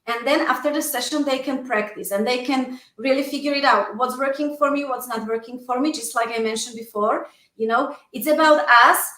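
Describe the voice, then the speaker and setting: A woman's voice: high-pitched, brisk, sharp tone, echoey room. A woman guest with a Slovak accent, speaking earnestly in a casual interview and often adding "you know". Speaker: guest coach.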